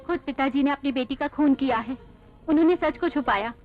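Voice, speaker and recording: An actress playing a calm, wise sister-in-law in a dubbed film, earnest and persuasive. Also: female voice, sits high, fairly quick, lightly acted. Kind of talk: Hindi film dub. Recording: tinny dubbed audio with faint music.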